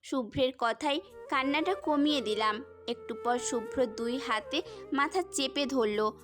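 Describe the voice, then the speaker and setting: A woman's voice: high-pitched, unhurried, over music. A young woman narrating a romantic story in the first person, as a scripted audio tale.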